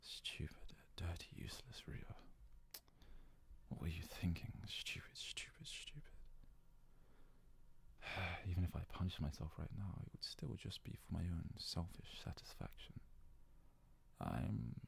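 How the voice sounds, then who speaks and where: Man acting out a low, husky, meek fox-boy servant. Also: a little slow, pauses often, in a whisper, exaggerated voice. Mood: ashamed. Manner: hesitant, deferential, pleading. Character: devoted yandere kitsune fox-boy servant, meek, obsessive, self-loathing. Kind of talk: ASMR roleplay, intimate scripted monologue.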